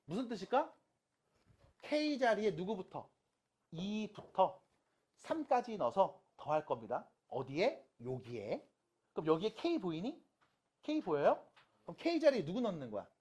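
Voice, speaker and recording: Lively-pitched math teacher quizzing students. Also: a little slow, pauses often, husky. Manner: constantly quizzes students with rhetorical questions; mixes casual and polite speech. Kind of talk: online math lecture to high school students.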